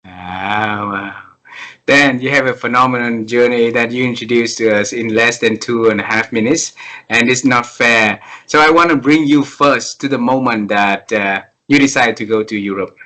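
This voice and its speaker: A man hosting an interview over a video call, polite and formal, with slightly halting phrasing. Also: medium pitch, fairly even intonation, sharp tone. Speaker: host.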